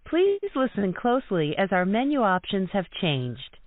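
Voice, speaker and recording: A woman reading a recorded phone menu in a slow, measured way. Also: medium pitch, very animated, noisy background. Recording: dry, tinny phone line.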